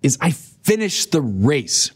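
Animated older man preaching a sermon. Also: fairly high pitch, takes it slowly, breathy edge. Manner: animated, conversational preaching with direct appeals. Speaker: bishop. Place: dim indoor studio.

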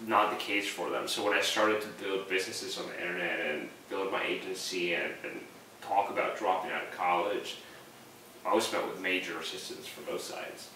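Man, native Spanish speaker, low pitch, bright tone, earnest podcast guest, roomy echo, distant mic. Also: normal speed, slight background noise. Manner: earnest, motivational, many fillers. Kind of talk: casual podcast chat. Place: living room with couch. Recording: echoey room, mic far off.

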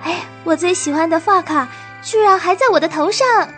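An actor voices a sweet, hopeful girl deer in a children's radio drama. The voice is extremely high and full of cheerful exclamation, with music underneath. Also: moderate pace, fairly bright tone. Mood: excited, hopeful.

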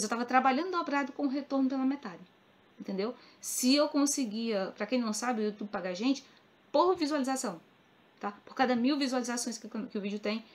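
Earnest Northeastern Brazilian woman, higher voice. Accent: Northeastern Brazilian, from Ceará. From Cariri region of Ceará, northeastern Brazil. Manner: earnest and emphatic, repeats points for stress. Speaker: crochet YouTuber. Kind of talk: casual talk to the camera.

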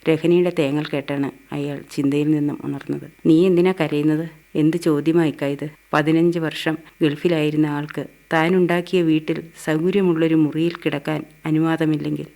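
A man narrating a short story for radio in a measured, even reading. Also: fairly high pitch, gravelly.

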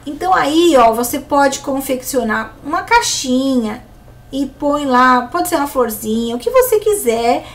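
A woman with a Brazilian Portuguese accent giving a recorded lesson to educators, explaining classroom games clearly and with lively pitch swings. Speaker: teacher giving an online course.

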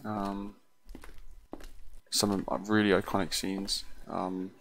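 Low, creaky-voiced man musing over a game. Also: flat delivery, slow pace, fairly bright tone. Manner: hesitant, musing aloud, trailing off. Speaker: game player giving commentary. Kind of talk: casual first-impressions game commentary. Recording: clearly noisy recording.

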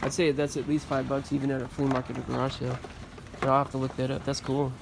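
A talkative man in his forties, mid-pitched and easygoing, thinking aloud as he looks over old finds. He is recorded outdoors on a phone camera. Steady street and background noise runs under his voice. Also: quick pace, gravelly. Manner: chatty, curious, appraising finds aloud. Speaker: storage locker reseller, channel host. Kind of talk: casual unboxing chat. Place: outdoors on a sunny trailer by storage units.

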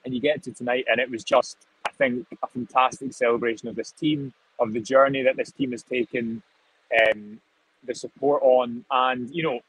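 On a video call from the stadium, a man in his twenties, a football reporter appearing as a guest, thinks aloud about the match in live reaction analysis, rambling and frequently restarting. He has a slightly rough, medium-pitched voice, captured in a low-quality recording.

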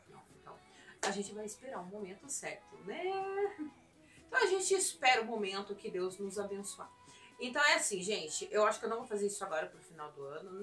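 A young woman with a Brazilian Portuguese accent chatting casually to her viewers in a home vlog, recorded on a handheld phone in her apartment. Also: medium pitch. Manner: chatty, talks straight to viewers with many asides. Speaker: vlogger.

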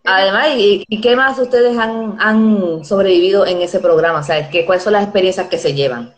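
A middle-aged woman hosting a live stream from her bedroom, chatting in a lively, animated way with her guests on a video call. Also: mid-range voice, normal speed. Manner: lively, animated, laughs often. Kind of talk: casual live stream interview. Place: bedroom indoors. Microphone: phone at arm's length. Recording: roomy phone recording.

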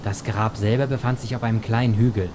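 An actor as a polite, slightly awkward doctor in a radio play. His voice is on the low side, dry and educated. Vehicle and outdoor noise sits clearly behind him. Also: steady tone, quick pace, a little mellow, close to an everyday voice. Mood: narrating. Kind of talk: German audio drama acting.

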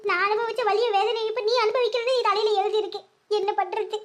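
A woman's voice: extremely high pitch, fairly even intonation, fairly quick. A woman voicing a grieving older village mother-in-law with a southern Tamil Nadu accent, lamenting and giving advice. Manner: lamenting, advising.

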